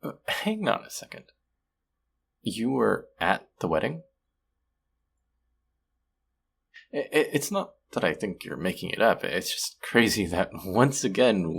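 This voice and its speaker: A man acting a friendly, sympathetic young man in an intimate, conversational audio roleplay, speaking gently and at times hesitantly. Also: exaggerated voice. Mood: surprised. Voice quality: low, gravelly, husky.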